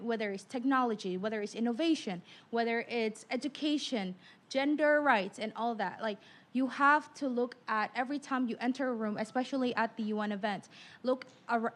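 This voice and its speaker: A woman speaks on a discussion panel. Her voice sits a little high, and she addresses the audience directly with pointed questions. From Indonesia.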